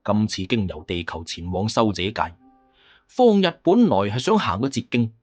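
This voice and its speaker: Man, Cantonese accent, fantasy audiobook narration, dramatic delivery, slightly rough voice, animated intonation, faint music behind. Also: fairly low pitch, normal speed.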